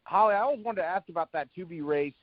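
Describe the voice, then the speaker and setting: Inquisitive man, fairly high voice. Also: animated, fast, no room sound, phone-quality sound. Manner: friendly, inquisitive. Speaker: podcast host, interviewer. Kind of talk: conversational interview questions.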